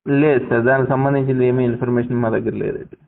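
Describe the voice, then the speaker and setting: A man's voice: medium pitch, flat delivery, racing, vocal fry. A man politely explaining official information as helpline staff on a recorded phone call.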